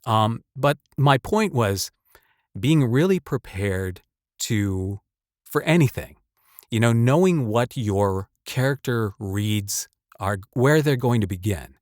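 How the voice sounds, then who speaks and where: A man, a voice actor, chatting casually about his work in a halting, rambling way with repeated words. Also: medium pitch, lively intonation, no room sound, clean studio sound. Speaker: voice actor and channel host. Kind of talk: casual chat, personal anecdote and advice.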